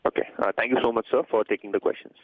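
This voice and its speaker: Male caller, quick and monotone, polite but stumbling, narrow telephone sound. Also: fairly low pitch. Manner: polite, halting, repeats himself. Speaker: caller asking questions. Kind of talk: conference call questioning. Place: phone call. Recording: tinny phone line, very dry.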